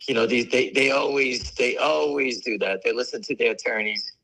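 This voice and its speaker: A man whose voice is hoarse and gravelly after weeks of coughing. His tone is bright and tense, with a raspy edge. He talks in a loose, rambling, chatty way as a guest on a live stream. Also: medium pitch, steady tone, normal speed, rough recording. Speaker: guest on a stock market stream. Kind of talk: casual chat.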